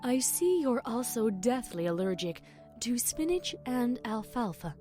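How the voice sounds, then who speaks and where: A woman playing a calm pony princess, measured, patient and gently wry, in an audio fan story. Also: on the high side, soft background music. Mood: calm, skeptical.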